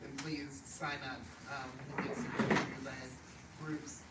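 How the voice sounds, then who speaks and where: Ordinary pitch variation marks speech delivered at a moderate tempo. Both room echo and background noise are noticeable. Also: woman. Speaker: watershed organization staff. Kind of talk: public presentation. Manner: loud.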